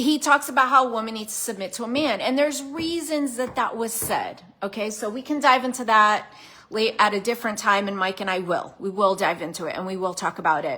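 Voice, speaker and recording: Animated and fairly quick, a woman talks in a fairly high pitch. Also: lively intonation. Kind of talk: live stream commentary. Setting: social media live video.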